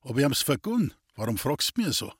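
A man as a jealous young farmhand, gruff, short answers, husky, dry. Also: mid-range voice, very animated, moderate pace, no room sound. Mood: bitter. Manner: short, gruff dialect replies. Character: jealous young Bavarian farmhand, bitter and hot-tempered.

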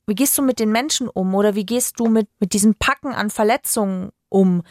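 Brief: female host, soft empathetic questions, dry close sound. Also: medium pitch, dry recording. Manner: gentle, slow, thoughtful questions. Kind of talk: empathetic interview.

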